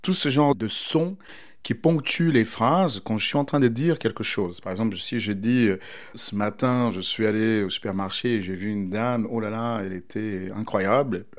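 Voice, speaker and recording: A man's voice: lowish voice, normal speed. Reflective man in his forties. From Mozambique. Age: 40s. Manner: thoughtful, circling back to rephrase ideas. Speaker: interviewee. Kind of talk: reflective interview answer.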